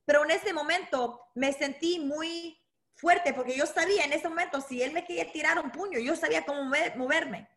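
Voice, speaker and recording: High-pitched woman boxing coach, talks in stops and starts, slips english words in. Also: a bit bright. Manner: halting, many restarts, mixes English words. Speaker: interview guest, boxing coach. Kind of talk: conversational interview.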